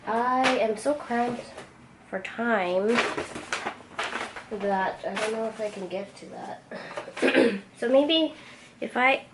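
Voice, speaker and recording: A woman's voice: fairly high pitch, takes it slowly, pauses often. A young woman with a light Filipino accent, chatting casually in her studio and thinking aloud while she sorts her stock. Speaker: artist vlogger. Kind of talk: casual chat while working. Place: home art studio. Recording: noisy room ambience.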